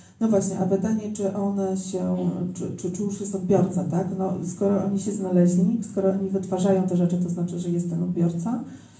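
A woman's fairly quick, monotone, flat speech in a medium pitch, with hardly any pauses and noticeable background noise. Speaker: author and museum worker. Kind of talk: author talk with audience. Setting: live event with audience, microphone.

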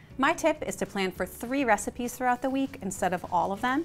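Faint music plays in the background as a woman talks at a very fast pace. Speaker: cooking show host. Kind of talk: tutorial. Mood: warm, upbeat. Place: kitchen. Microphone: lapel.

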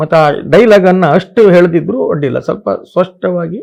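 With ordinary pitch variation, a man speaks in a high register. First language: Konkani (speaking Kannada). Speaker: playwright and stage comedian. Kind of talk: interview.

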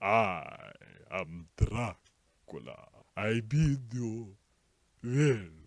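In a put-on character voice at a medium pitch, a man speaks very slowly with long, frequent pauses. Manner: theatrical, courtly.

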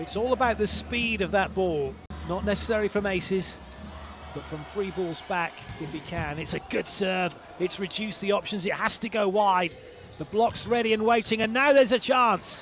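A man with a British accent speaks in a high voice over noticeable background noise. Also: ordinary pitch variation, moderate pace. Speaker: volleyball commentator. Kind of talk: live sports commentary. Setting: commentary booth. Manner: excitable.

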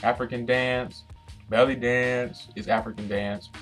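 A man speaks at a very slow pace over faint music in the background. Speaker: health vlogger. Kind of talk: casual vlog chat. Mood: relaxed, opinionated. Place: home room. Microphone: webcam.

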